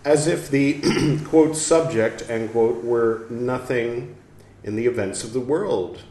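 A man hosting a show where he reads a book aloud, musing and pausing to talk back to the text in casual asides. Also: medium pitch. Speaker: podcast host reading aloud. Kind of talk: slow reading with casual asides. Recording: roomy room with faint background music. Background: soft instrumental music.

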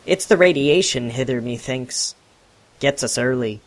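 A man's voice: mid-range voice, unhurried, pitched above the performer's own voice, close to an everyday voice. A man voicing a precocious six-year-old boy clone who speaks in mock-archaic English. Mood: matter-of-fact. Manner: mock-archaic speech, sassy and knowing.

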